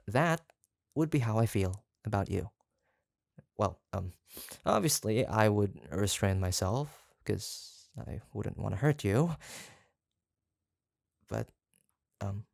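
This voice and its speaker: An actor voices an obsessive kidnapper in an intimate roleplay audio drama. The delivery is slow and halting, with a gravelly fry, coaxing and gushing with devotion yet faintly menacing. It sounds close and dry. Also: medium pitch, a little mellow, no room sound. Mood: doting, gushing, then eager, sheepish.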